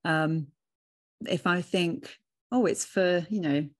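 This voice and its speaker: A woman in her thirties hosting a relaxed conversation over a video call, her voice a touch lower than most. She speaks close to a studio microphone, headphones on, from a room at home lined with bookshelves. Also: slow pace. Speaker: host. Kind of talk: casual conversation. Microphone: studio mic with headphones on a video call.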